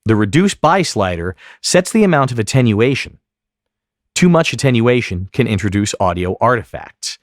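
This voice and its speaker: A man narrating a software tutorial as an instructor, explaining each step methodically. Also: mid-range voice, very animated, moderate pace, dry recording, clean studio sound. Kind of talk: instructional screen-recording narration.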